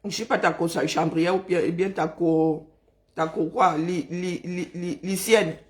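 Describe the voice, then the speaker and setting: A tired, raspy woman with a Cameroonian French accent chats to her live-stream audience in a lowish voice with fairly even intonation. She's talkative and teasing, greeting each viewer in turn and sighing and humming through the lulls.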